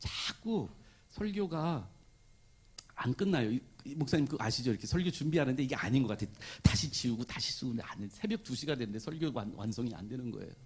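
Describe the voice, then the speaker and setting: Very fast, somewhat breathy speech from a man at medium pitch, with very wide pitch swings. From South Korea. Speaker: pastor. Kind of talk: sermon.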